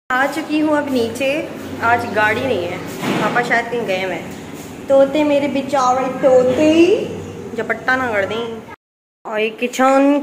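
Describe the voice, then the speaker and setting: A young woman vlogging at home in a chatty, playful way, talking to her pets and family. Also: sits high. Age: young adult. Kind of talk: casual home vlog. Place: at home, indoors and on the rooftop. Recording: noisy home phone recording.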